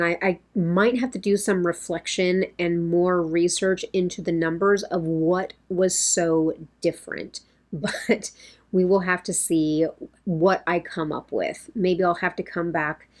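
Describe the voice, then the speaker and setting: A woman in her thirties, slightly hoarse, chatting casually to camera in a rambling way from her home makeup room. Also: fairly low pitch. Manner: rambling, talks with her hands. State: a bit hoarse, losing her voice. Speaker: beauty vlogger.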